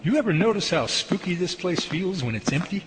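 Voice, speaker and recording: A man's voice: lively intonation, brisk. A man playing an eager, jittery field researcher in an amateur radio drama, with a folksy, easily awed manner. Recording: noisy track with ambient rumble.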